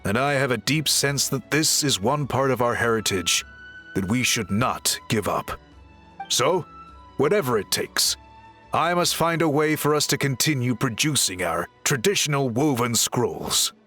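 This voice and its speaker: A man playing an earnest, courteous tribal craftsman and reformer in a video game, speaking in polite, measured, articulate phrases. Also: mid-range voice, animated, sharp tone. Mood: earnest, resolute. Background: background music.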